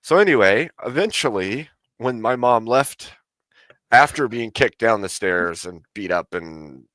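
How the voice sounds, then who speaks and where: A man's voice: lowish voice, lively intonation, a little slow, a bit bright, no room sound. A man hosting a live stream, chatting casually and telling a story in a dry, matter-of-fact way. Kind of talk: casual chat.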